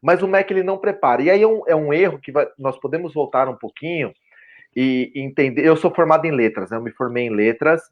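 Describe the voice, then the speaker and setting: A middle-aged man with a Brazilian Portuguese accent, interviewed as a guest, explaining in an animated way and acting out example phrases. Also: on the high side, fairly quick, muffled recording. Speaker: guest, language school CEO. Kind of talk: conversational interview.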